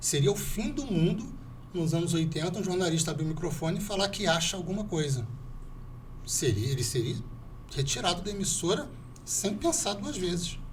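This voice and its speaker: A man's high-pitched voice at a moderate pace, with lively intonation, long, frequent pauses and audible room echo. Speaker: history teacher, political analyst. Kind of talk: casual interview chat.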